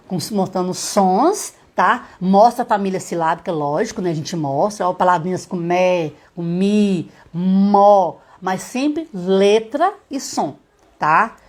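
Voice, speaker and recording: Middle-aged woman, literacy teacher, live-stream lesson, patient step-by-step explainer. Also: medium pitch. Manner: sounds out letters slowly.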